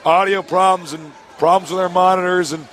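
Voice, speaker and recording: Hoarse upbeat male esports caster. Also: high voice, steady tone, fairly bright tone, a faint crowd. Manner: joking, upbeat, quick asides. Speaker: co-caster and host. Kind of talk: casual esports casting banter. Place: exhibition hall stage area.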